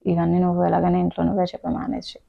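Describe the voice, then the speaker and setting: A woman's voice: fairly low pitch, completely flat delivery, very fast, gravelly, dull audio. A woman YouTuber and serial actress in a staged prank chat at home, insistent and pleading, talking over her partner.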